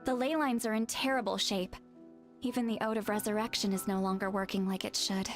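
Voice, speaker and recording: A woman's voice: medium pitch, steady tone, a little fast, close to an everyday voice. A woman playing a blunt, solemn tribal shaman in a video game, explaining with authority over music. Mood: concerned. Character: Citlali, blunt, solemn female tribal shaman, knowing and commanding.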